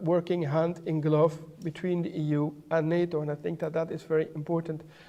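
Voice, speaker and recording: In a Dutch accent, a man with high pitch and a dark, mellow tone speaks at a moderate pace. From Netherlands. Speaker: EU defence policy speaker. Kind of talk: conference keynote speech.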